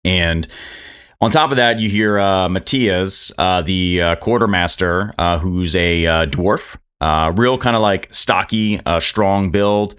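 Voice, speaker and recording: Deep-voiced game master, casual and rambling narration. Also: male voice, slow, fairly bright tone, clear, resonant tone. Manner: rambling, filler-heavy.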